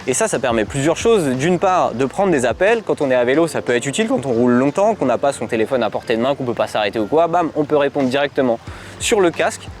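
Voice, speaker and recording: A man's voice: mid-range voice, lively intonation, fast, darkish tone. A man with a French accent giving a casual, conversational product review, explaining things as he goes. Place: outdoors on a cycling outing. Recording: clear outdoor ambient and traffic noise.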